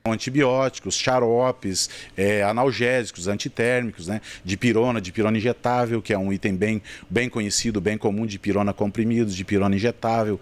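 A man's voice: lowish voice, fairly even intonation, brisk, few pauses. A man in his fifties with a medium voice talks to a reporter in a warehouse storeroom. He speaks conversationally, lists items one by one and often adds a little "you know" to his points. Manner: conversational, listing items, tags with sabe. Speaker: municipal pharmacist. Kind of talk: news interview answer. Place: storeroom of a pharmaceutical depot, indoors. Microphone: handheld reporter mic.

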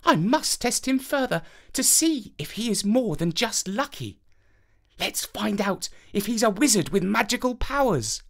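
A woman's voice: mid-range voice, very animated, a little slow, pitched above the performer's own voice. A woman voicing a cool, haughty young fairytale princess with prim, polite manners. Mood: curious.

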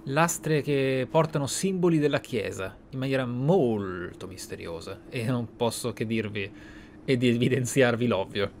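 A man narrating a video game playthrough in a measured, deliberate, theatrical way. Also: medium pitch, a little hiss or hum. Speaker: gaming channel host. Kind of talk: Let's Play roleplay narration and commentary. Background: video game ambience.

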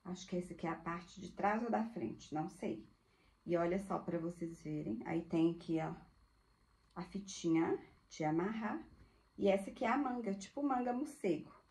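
A woman's voice: lowish voice, expressive, moderate pace, darkish tone. Woman, chatty thrift seller, gushing casual showcase. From Brazil. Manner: chatty, gushing, addresses viewers as girls. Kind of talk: casual live product showcase.

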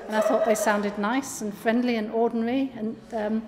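A woman's voice: a little high, steady tone, normal speed, long reverb tail, very noisy. A middle-aged woman telling, in a plain and friendly way, how she found the church.

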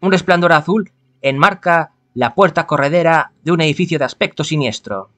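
A man's voice: on the high side, moderate pace, fairly bright tone. A man from reads a visual novel aloud, adding casual, wry commentary as he goes. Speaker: gaming streamer.

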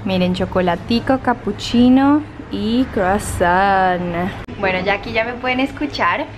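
A woman's voice: mid-range voice, slow, a little hiss or hum, low-quality recording. A woman with a Colombian accent, chatting upbeat to camera in a travel vlog and laughing often. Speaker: vlogger.

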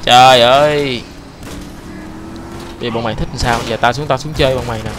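Một người đàn ông Việt Nam bình luận khi chơi game, nói bông đùa, hay lặp từ liên tục khi phấn khích. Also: male voice, medium pitch, background noise. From Vietnam. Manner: excitable, repeats words rapidly, joking. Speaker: gaming YouTuber. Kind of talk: casual gameplay commentary.

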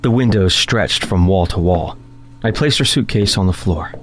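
A man playing a polite, wry young worker, narrating an audio drama in a measured first-person storytelling manner. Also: sits low, animated, background noise. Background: music under the voice.

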